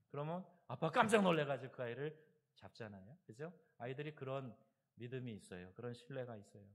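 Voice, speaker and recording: A man in his thirties preaching a sermon as pastor, swinging between loud exhortation and quiet asides. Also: mid-range voice. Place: church sanctuary.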